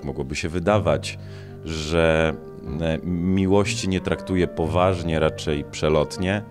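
A young man, an actor, talking in a measured, halting way in an interview. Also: low voice. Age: young adult. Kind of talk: interview talk. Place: indoor corridor. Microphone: handheld reporter microphone. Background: music.

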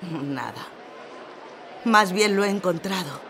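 A woman's voice: fairly low pitch, animated, slow pace, sharp tone, a little hiss or hum, heavily acted. An actress playing a middle-aged, well-off charitable lady in an audio drama. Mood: resolute. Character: well-off charitable lady, mother of six, hesitant but determined.

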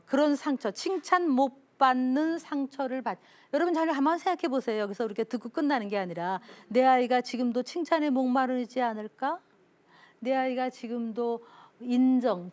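A middle-aged woman professor teaching a parenting class to an audience, earnestly acting out parents and children in quick quoted lines. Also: high voice. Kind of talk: lecture to an audience.

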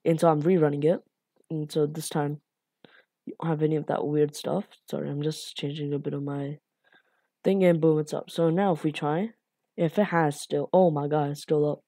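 A woman with a slightly raspy late-night voice hosts a casual coding tutorial, rambling and apologizing with lots of fillers. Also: sits low, steady tone, normal speed, warm tone, dry recording, studio quality. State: a bit raspy from being up late.

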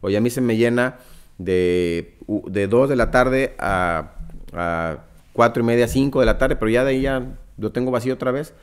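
A man's voice: medium pitch, normal speed, smooth. A man in his thirties with a northern Mexican accent, a startup founder explaining his business in an interview, using examples and many fillers. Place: office meeting room. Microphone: studio mic on desk stand.

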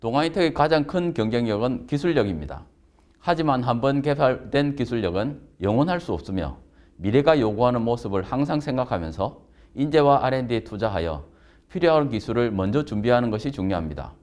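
A man's voice: medium pitch, lively intonation, a little fast, darkish tone. A man giving a formal, prepared interview statement as a company representative.

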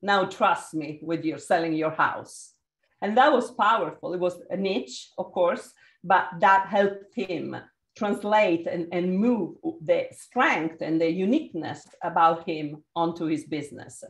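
A woman with an Italian accent leading a group video call, energetic and encouraging as she calls on participants. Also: on the low side, unhurried, roomy sound. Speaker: workshop facilitator.

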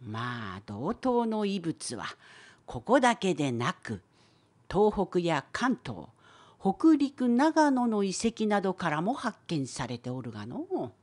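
Woman acting creaky wise old professor, husky, low-pitched, swooping intonation, wry cartoon lecturer. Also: sing-song, slow, darkish tone, full character voice. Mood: wry, explaining. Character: wise old professor of archaeology, opinionated and patient. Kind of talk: scripted educational cartoon dialogue.

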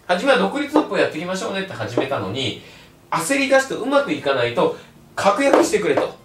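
Man, blunt lecturing instructor, wildly swinging pitch, echoey room, mic a bit distant. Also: huge pitch swings, brisk, background noise. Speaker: online resale instructor. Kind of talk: video lecture. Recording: roomy echo, mic set back.

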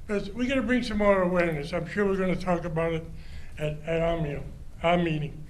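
An older man speaking as a citizen at a public comment microphone in a large council chamber, friendly and halting, with many restarts. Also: a little high. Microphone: standing microphone. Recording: roomy hall sound, faint hum.

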